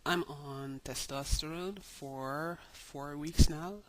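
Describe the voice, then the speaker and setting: Slow, hesitant young man. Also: a little high, steady tone, a bit bright, rough recording. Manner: hesitant, many ums and pauses. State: tired. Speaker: vlogger. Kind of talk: casual video diary.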